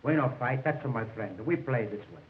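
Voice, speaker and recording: In an early talkie film, a brash male hotel hustler wisecracks pushily in broken English. His voice is medium-pitched and expressive at a moderate pace. The soundtrack is tinny and echoey, with the hiss of early sound film.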